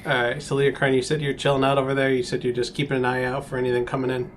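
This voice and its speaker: A man's voice: mid-range voice, monotone, racing. A man works as game master, narrating in a casual, conversational way. His voice sits in the middle of the male range, with faint background noise.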